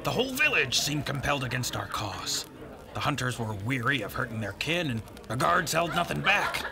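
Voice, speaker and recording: An actor in an audio drama playing an old, boastful, honour-bound river errant who speaks in archaic, folksy heroic bluster. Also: male voice, medium pitch, sing-song, moderate pace, gravelly, a crowd in the background. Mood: dramatic storytelling. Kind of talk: audio drama acting and first-person storytelling. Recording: dramatic music behind the voice.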